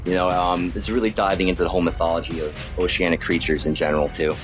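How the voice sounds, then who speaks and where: A man's voice: low voice, flat delivery, fast talker, music in the background. A man speaking informally and modestly as an author being interviewed in a casual chat.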